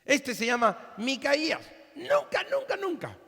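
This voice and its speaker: A man's voice: extremely high pitch, big pitch swings, measured pace, gravelly, pushed and bright, long reverb tail, pitched above the performer's own voice, exaggerated voice. A man preacher voicing a petulant, scheming ancient king who complains with a whiny manner. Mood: grumbling.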